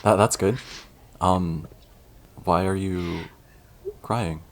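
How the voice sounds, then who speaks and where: A man's voice: sits low, steady tone, very slow, full character voice. A man playing a kind, anxious young man who stammers earnestly. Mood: concerned.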